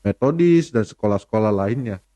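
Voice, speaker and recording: A man's voice: lowish voice, animated, fairly quick, mellow. A young adult man hosts an interview. He asks his questions in a polite, formal manner and encourages his guest to speak. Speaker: host.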